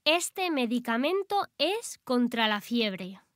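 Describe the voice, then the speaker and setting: A woman reading short phrases slowly and clearly, repeating each one for language learners. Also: a little high, big pitch swings, a bit bright, dry recording, clean studio sound. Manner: clear, careful, deliberate enunciation. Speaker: language teacher.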